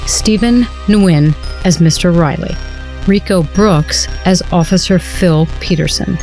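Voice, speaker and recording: Woman reading credits over clear music. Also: on the low side, measured pace, mellow, low-quality recording. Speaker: series narrator reading credits. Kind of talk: scripted narration.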